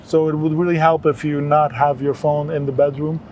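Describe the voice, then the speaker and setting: Higher-voiced mellow man from Belgium, explaining earnestly. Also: level tone, a little fast, a little hiss or hum, poor audio. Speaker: interview guest, wellness entrepreneur. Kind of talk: conversational health advice.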